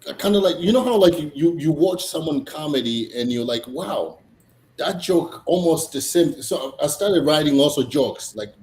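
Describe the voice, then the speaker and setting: A man from Tanzania, a comedian chatting casually as a guest, halting, with many fillers and restarts. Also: a little high, lively intonation, a little mellow. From Tanzania, East Africa. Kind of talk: casual interview chat. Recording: echoey room, faint noise.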